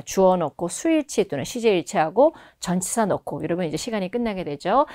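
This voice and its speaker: A woman giving a TOEFL speaking lesson, talking straight to her students and slowing down to model English phrases. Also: medium pitch, a little mellow, dry recording, studio quality. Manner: instructive, addresses students directly with frequent "자". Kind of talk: online test-prep lecture.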